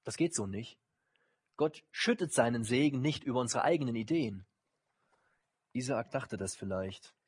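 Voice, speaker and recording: A man preaches with a husky, slightly breathy voice at a middle pitch. He reads scripture aloud and brings the quoted voices to life, his pitch climbing sharply for pleading lines and dropping low for solemn ones. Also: moderate pace, pauses often. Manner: expressive, acts out quoted voices with rising pitch. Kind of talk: sermon with Bible reading.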